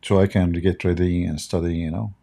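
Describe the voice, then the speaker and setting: A man hosting a casual livestream, hoarse from losing his voice and joking as he rambles along. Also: deep voice, flat delivery, brisk. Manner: joking, rambling while fiddling with software. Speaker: livestream debate host.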